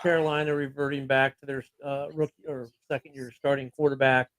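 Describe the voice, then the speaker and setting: A man's voice: medium pitch, little pitch movement, a little fast, a bit bright. A man co-hosting a casual sports chat show, talking loosely with fillers and laughs. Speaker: podcast co-host.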